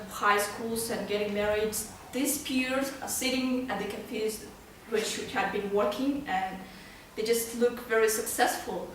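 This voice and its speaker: A woman giving a prepared amateur speech at a club, hesitating and often restarting her phrases. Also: fairly high pitch. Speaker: club speaker. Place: meeting room, recorded from a distance. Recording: very echoey room, distant mic, faint noise.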